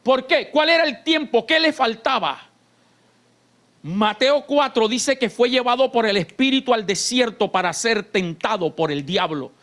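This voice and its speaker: A male pastor with a Colombian Caribbean Spanish accent, preaching an impassioned sermon in a church, swinging between hushed and shouted lines. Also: very high-pitched, measured pace.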